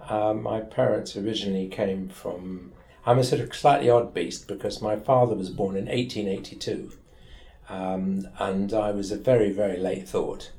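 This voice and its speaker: Mancunian guy in his 70s, gravelly, rambly anecdotes, roomy office sound. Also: fairly low pitch, steady tone, moderate pace, mellow. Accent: Mancunian English. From England. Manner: wry, anecdotal, rambling with restarts. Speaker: guest lawyer. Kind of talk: storytelling in an interview.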